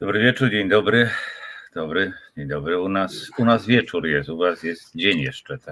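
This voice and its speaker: Here is an ordinary speaking voice at a moderate pace. Its pitch variation is ordinary, while its loudness swings a lot. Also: man, fairly low pitch for a man. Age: 60s. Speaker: film voice-over narrator. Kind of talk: interview answer.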